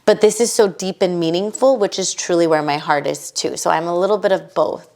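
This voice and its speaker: A woman from the United States, a guest on a podcast, talking in a casual, animated and emphatic way with many quick asides. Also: fairly low pitch. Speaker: podcast guest, bridal fashion entrepreneur. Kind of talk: casual conversational interview.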